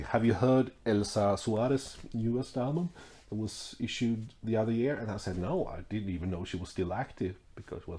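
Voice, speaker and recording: A man's voice: on the low side, warm tone. A man in his forties, a record collector chatting unhurriedly in a casual vlog with many fillers and restarts. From Sweden. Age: 40s.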